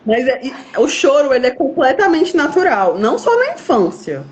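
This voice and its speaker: A woman's voice: high-pitched, wildly swooping pitch, normal speed, slight background noise. A Brazilian woman, a guest specialist, explaining step by step and acting out what parents and children say. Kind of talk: explanatory interview talk.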